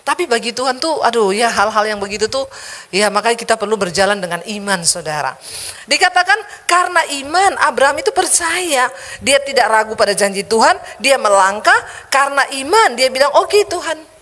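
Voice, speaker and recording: A woman pastor preaching, telling a personal testimony in an animated, storytelling manner. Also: a little high, a little fast. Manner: animated storytelling, vivid sound effects. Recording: echoey hall reverb.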